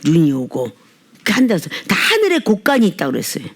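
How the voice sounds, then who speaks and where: A woman's voice: on the low side, wildly swooping pitch, brisk. A woman pastor preaching an emphatic sermon at a healing service, often prodding listeners with tag questions.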